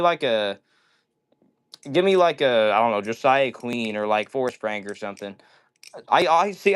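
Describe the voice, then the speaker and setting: A man's voice: mid-range voice, smooth. A man hosting a live stream, chatting casually and reading out viewer messages in slangy, upbeat talk. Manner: upbeat slangy greetings, says "dude" and "yo" often.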